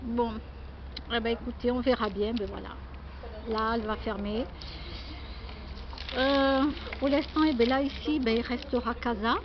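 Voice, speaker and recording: A woman's voice: on the high side, steady tone, a little slow, long pauses. A woman from France chatting casually and at length as a vlogger, exclamatory and self-deprecating, often repeating herself. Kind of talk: casual rambling chat. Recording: muffled lo-fi sound, loud background noise.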